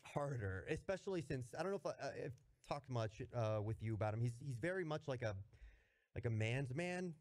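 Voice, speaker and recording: A man in casual podcast chat, telling a story in a halting, self-deprecating way and laughing at himself. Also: medium pitch, animated, a little mellow.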